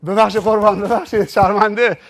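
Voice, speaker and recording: A man's voice: sits high, little pitch movement. A man voicing a frightened rich driver in a sermon story, who apologises and stammers. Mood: pleading.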